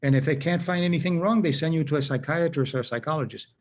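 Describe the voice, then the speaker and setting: A man's voice: a little high, quick pace. A man hosting a conversational interview, telling anecdotes and acting out quoted dialogue. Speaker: host.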